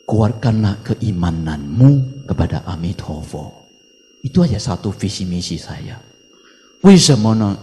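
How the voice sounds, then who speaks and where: Monk, male, lively preaching cadence, swells then drops to soft endings; long hall reverb. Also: lowish voice. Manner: preaching, mixing in Mandarin chant phrases; emphatic rising exhortations, trailing off softly. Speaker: Buddhist monk teacher. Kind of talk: dharma talk.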